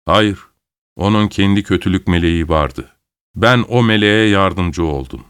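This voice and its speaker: Male reader voicing a blunt evil angel, slightly lowered voice, dry matter-of-fact replies. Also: a little slow, fairly bright tone, clear, resonant tone, dry recording. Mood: curt. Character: sly four-winged angel of evil, blunt and unbothered.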